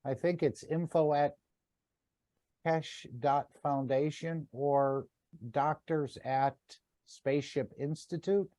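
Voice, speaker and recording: Mellow-voiced male meeting host. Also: a little high, fairly even intonation, takes it slowly, no room sound. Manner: polite, moderating. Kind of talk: casual online meeting. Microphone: video call.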